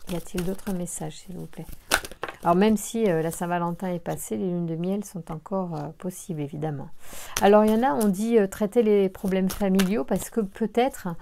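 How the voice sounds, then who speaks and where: Her loudness swinging widely, a woman of medium pitch speaks at a moderate pace with ordinary pitch variation. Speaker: tarot card reader. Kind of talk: tarot reading video. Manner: halting, many hesitations.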